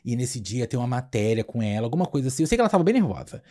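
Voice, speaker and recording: A young Brazilian man, a comic actor, telling lively anecdotes on a podcast and often breaking into laughter. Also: mid-range voice, very fast. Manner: animated, laughing, acts out scenes. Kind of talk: casual anecdotal storytelling.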